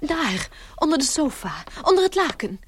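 A dutiful, protective girl in a radio play. Her high young voice is earnest and nervously stammering as she placates, with faint noise behind it. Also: very animated, normal speed. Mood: cautious, coaxing. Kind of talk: Dutch radio drama acting.

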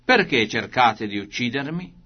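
Jesus, a solemn calm preacher, read by a man. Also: mid-range voice, dull audio. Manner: measured, solemn scripture reading.

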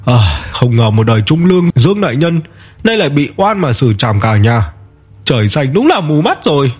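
Fearful commoner, voiced by a man, sighing and hushed, husky. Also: a little high, lively intonation, very fast, faint music behind, voice pushed up. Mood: lamenting. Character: grieving, fearful male commoner.

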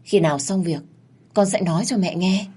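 A woman narrator voicing a calm young daughter explaining her plan, in a husky low voice. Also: normal speed. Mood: persuasive. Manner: explaining, persuading.

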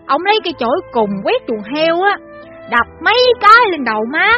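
A woman's voice: very high voice, very animated, a little fast, lo-fi sound, soft background music. A woman playing an earnest Southern Vietnamese mother. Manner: earnest storytelling, plain-spoken. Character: mother telling her children old ghost stories, earnest. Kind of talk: audio drama storytelling.

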